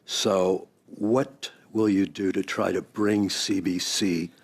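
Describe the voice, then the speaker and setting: A man's voice: sits low, steady tone, slow. A man putting pointed, pressing questions in a formal hearing, as a committee member addressing a witness.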